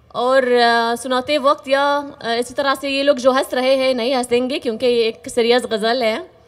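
In a high voice with monotone, flat intonation, a woman speaks with an Arabic accent. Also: fairly slow pace. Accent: Arabic-tinged Urdu. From Egypt. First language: Arabic (speaking Hindi). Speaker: poet and Urdu professor; poet. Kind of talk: stage address to audience. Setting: stage with audience. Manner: halting. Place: stage. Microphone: handheld.

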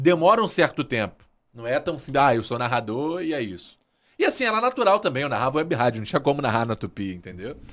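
A man speaks at a very fast pace with very wide pitch swings and vocal fry. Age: 20s. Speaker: sports radio narrator and presenter; podcast guest, sports narrator. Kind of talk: casual podcast interview. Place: studio. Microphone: studio mic.

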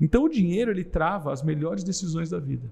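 A man's fairly high voice with a dark, mellow tone, vocal fry, lively intonation and a moderate pace. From São Paulo state, Brazil. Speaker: podcast guest or host. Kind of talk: casual conversational podcast. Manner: animated. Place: studio. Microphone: studio mic.

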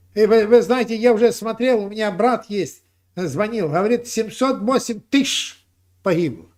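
With ordinary pitch variation, a man speaks in a high pitch at a fairly slow pace. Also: very clean recording, silent background. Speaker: video blogger. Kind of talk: street prank conversation.

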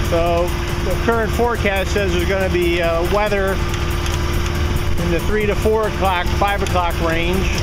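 The pace is moderate. Behind the speech, clear music can be heard. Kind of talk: casual vlog narration. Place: boat.

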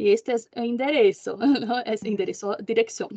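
Against a quiet background, a woman with a fairly high pitch and a dark, mellow tone speaks at a fairly slow pace. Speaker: librarian, journal curator; webinar presenter. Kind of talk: online training webinar. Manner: halting, many fillers. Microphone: video call.

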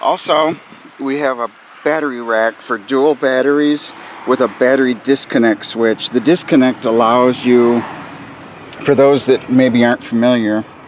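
Heard with light background noise, the speech moves at a moderate pace with fairly even intonation and a dry sound that has no echo. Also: man. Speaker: RV salesperson. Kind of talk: product walkthrough commentary. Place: open country. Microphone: phone near.

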